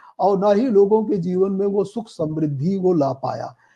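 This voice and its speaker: Pitch moves with ordinary variation. A dark, mellow tone carries the voice. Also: man. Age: 60s. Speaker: senior journalist, political analyst. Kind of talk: interview. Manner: hesitant, filler-heavy.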